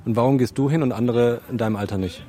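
A man's voice: mid-range voice, quick pace, warm tone. Casual young guy doing street interviews in a park, straight to the point. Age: young adult. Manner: chatty, direct questions. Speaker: reporter. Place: outdoors in a park.

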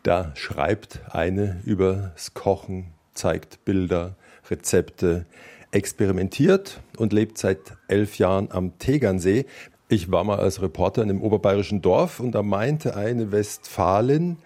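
A man's voice: sits low, measured pace, dark tone. A man hosting a radio talk interview on location, asking wry, probing questions. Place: on location by a lake.

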